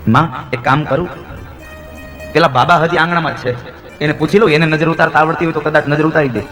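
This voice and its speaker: A man's voice: a little high, steady tone, fast talker, fairly bright tone, soft background music. A male storyteller voicing an eager, talkative young village milkmaid. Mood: worried. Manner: pleading, chatty storytelling speech.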